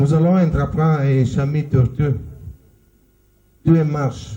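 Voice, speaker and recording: Somewhat breathy and dark, mellow in tone, a man with a non-native accent speaks at a very slow pace. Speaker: charity founder. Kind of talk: reading aloud. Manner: halting.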